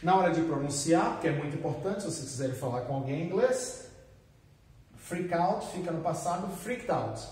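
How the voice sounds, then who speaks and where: Guy teaching english at a whiteboard, kinda high voice, really echoey room, mic a bit far off. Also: darkish tone, a little hiss or hum. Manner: switches between explaining and acted example exclamations, slow repeated drills. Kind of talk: recorded classroom lesson. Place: classroom with whiteboard.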